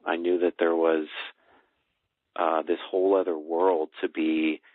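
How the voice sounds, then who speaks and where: Low-voiced man on a phone line. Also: little pitch movement, unhurried, no echo. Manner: hesitant, searching for words, repeats phrases for emphasis. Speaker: guest, personal growth coach and author. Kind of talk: conversational interview on a call. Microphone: telephone. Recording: dry, band-limited phone call.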